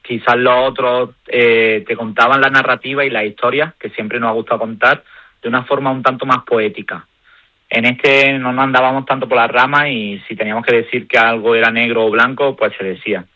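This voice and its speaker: A man, a band member calmly explaining his views in a radio interview. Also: medium pitch, brisk, no room sound. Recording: dull lo-fi radio sound.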